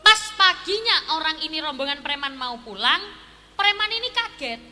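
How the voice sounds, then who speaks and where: A woman preacher giving a sermon at a live gathering, telling a story and acting out its dialogue with lively voices. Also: high-pitched, moderate pace. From Indonesia. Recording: echoey hall with faint noise.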